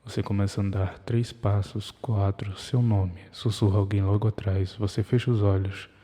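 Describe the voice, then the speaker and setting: A man reading a scripted horror story in the second person, measured and ominous, in short broken phrases. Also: lowish voice, level tone, dark tone. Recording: long hall reverb.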